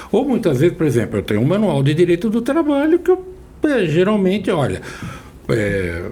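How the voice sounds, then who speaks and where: A man talks over noticeable background noise. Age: 60s. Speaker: lawyer and law professor. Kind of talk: interview conversation.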